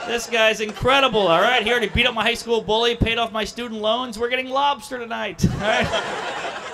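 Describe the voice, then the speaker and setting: A man speaks in a raised, projected voice at an extremely high pitch and a fairly quick pace, with fairly even intonation, hardly any pauses, and noticeable background noise. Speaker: stand-up comedian. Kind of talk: stand-up comedy with crowd work, riffing on the audience. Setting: outdoor rooftop stage with live audience. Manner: conversational, self-deprecating delivery with quick pivots to punchlines. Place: stage. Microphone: handheld.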